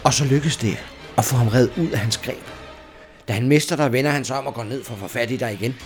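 A man running a tabletop horror game as game master, describing scenes in a measured, suspenseful way. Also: mid-range voice. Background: background music.

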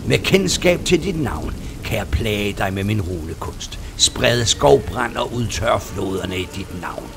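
A man's voice: lowish voice, animated, vocal fry, hardly any pauses, background noise. A man voicing a small, loyal woman rune master who speaks boldly and solemnly, in a storybook reading. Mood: defiant. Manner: bold, solemn, defiant. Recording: music playing underneath.

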